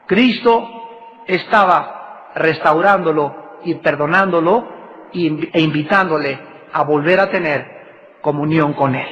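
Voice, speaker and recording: A man delivering a sermon with a high voice, speaking slowly and deliberately. His preaching swells and falls for emphasis. The sound is dull and lo-fi, with long reverb from a large hall. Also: fairly bright tone. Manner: emphatic preaching with dramatic swells in pitch and volume.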